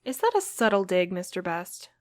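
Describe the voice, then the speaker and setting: A woman's voice: lowish voice, big pitch swings, normal speed, no room sound, clean studio sound. A woman playing a wry, put-upon mail courier in an audio drama, conversational and a little sardonic. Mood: wry, exasperated.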